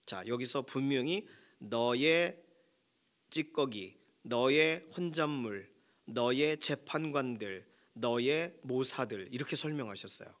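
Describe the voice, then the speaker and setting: A man's voice: mid-range voice, slow pace, fairly bright tone. A man preaching a dawn sermon as pastor, asking rhetorical questions and pressing each point with emphasis. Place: church prayer room.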